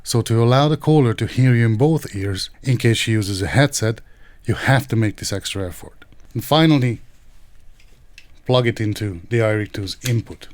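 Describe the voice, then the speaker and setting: A man's voice: medium pitch, moderate pace, no room sound. A man narrating an instructional tech tutorial in a methodical, precise, explanatory way. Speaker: tech reviewer and tutorial presenter.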